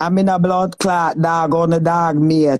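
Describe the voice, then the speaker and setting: A man with a Jamaican accent and a high pitch, in a monotone, flat intonation over a quiet background. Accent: Jamaican Patois-inflected English. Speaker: guest. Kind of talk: casual chat. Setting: video call. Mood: laughing, teasing. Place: home room. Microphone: video call.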